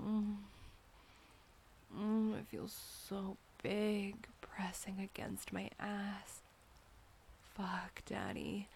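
A young woman whispering softly and breathily in an intimate audio roleplay, with soft sighs between lines. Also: mid-range voice, gravelly, slight background noise.

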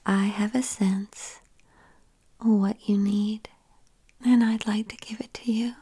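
Woman, whispered ASMR roleplay, very slow and mellow, soft and soothing, close to the mic. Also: mid-range voice, level tone, husky. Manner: tender, soothing.

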